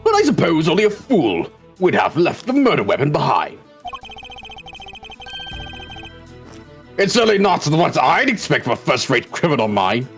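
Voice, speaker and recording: A woman voicing a cruel, smug villainous prosecutor in a fan reading of game dialogue, speaking in a slow, mocking, relishing way. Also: low-pitched, huge pitch swings, soft background music.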